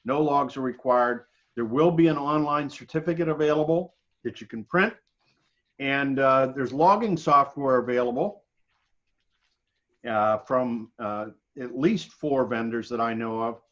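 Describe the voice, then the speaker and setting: An American man giving an informal slide presentation, speaking haltingly with frequent pauses mid-sentence. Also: medium pitch, fairly bright tone. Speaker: guest presenter. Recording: dull, lo-fi video call audio.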